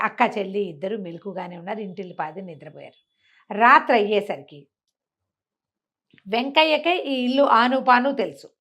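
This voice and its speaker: An older woman narrates a village folk tale with animation, slipping into each character's voice and acting out their lines with lively swings in pitch.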